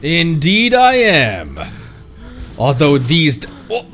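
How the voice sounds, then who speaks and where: A man's voice: on the high side, wildly swooping pitch, slow, fairly bright tone, faint music behind. A man streaming a game, reading dialogue aloud and cracking jokes as he laughs along. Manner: joking, reads dialogue aloud, laughs often. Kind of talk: casual gameplay commentary.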